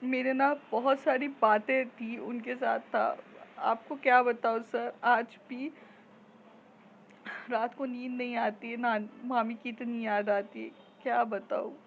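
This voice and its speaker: A woman's voice: a little high, little pitch movement, takes it slowly, narrow, tinny audio, a little hiss or hum. A woman voicing a young woman student, grieving yet defiant and teasing, in a storytelling podcast. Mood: pleading sad. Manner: pleading, then defensive and teasing.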